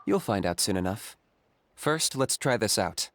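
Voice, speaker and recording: A man playing a calm, practical young tribal hunter in a video game, with a dry, matter-of-fact delivery. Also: on the low side, measured pace. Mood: businesslike. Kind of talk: video game character acting. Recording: game music behind the voice.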